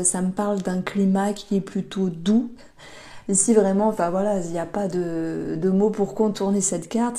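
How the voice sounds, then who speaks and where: Woman tarot reader, very dark mellow voice, gentle, hesitant. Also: medium pitch. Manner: gentle, hesitant, many fillers and restarts. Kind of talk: tarot reading monologue.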